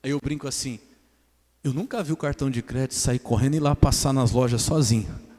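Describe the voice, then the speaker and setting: A man's voice: medium pitch, fairly quick, darkish tone, long reverb tail. A man with a Brazilian Portuguese accent preaching a sermon as a pastor, mixing joking asides with earnest preaching. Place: church hall.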